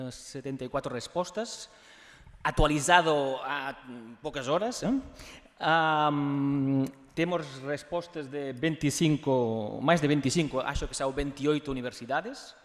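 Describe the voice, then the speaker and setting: A man with a Catalan accent giving a conference presentation, halting through fillers and restarts as he drifts between languages. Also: a little high. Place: university conference hall. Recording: reverberant hall.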